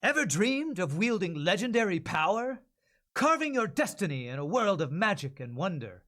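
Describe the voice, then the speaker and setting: A man voicing a heroic, excited announcer for an epic fantasy game trailer, pompous and theatrical. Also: sits high, normal speed. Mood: heroic, grand. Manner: pompous, sweeping, theatrical delivery. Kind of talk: dramatic video game trailer narration.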